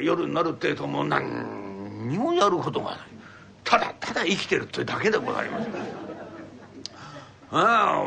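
A man narrating a classic rakugo story in a lively, chatty way with formal endings. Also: a little high, gravelly. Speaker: rakugo performer.

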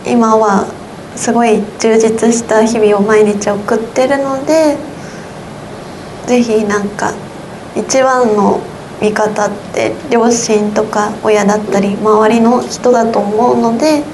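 A teenage girl, a student guest, giving a gentle, slightly halting message to listeners. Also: a little high, fairly even intonation, noisy background. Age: teens.

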